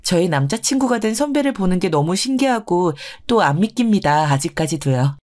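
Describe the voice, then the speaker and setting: A woman's voice: lowish voice, sing-song, brisk, a little mellow. A woman in her forties narrating her own story in a scripted, confiding first-person way.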